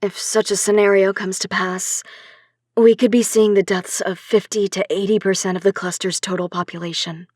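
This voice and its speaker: A woman's voice: mid-range voice, level tone, normal speed, a little mellow, dry recording, clean studio sound, natural voice. A woman playing a composed professor interviewed on radio news in a sci-fi audio drama, explaining things patiently and articulately. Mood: grave, matter-of-fact. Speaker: academic expert being interviewed.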